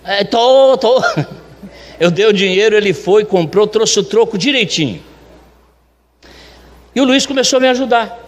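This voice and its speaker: A man, a restaurant owner telling a church testimony in an animated way and acting out the dialogue. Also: high-pitched, moderate pace, pauses often, in a large hall.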